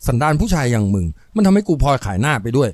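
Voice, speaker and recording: A man voicing a tough, righteous hero in a story, giving deliberate commands. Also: mid-range voice, sing-song, a little mellow, no room sound, natural voice. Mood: indignant.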